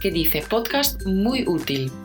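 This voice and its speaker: Clear-speaking Spanish woman teacher. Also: mid-range voice, very animated, over music. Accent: Spain. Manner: clear, slow explanations. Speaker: Spanish teacher and podcast host. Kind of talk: teaching a language podcast.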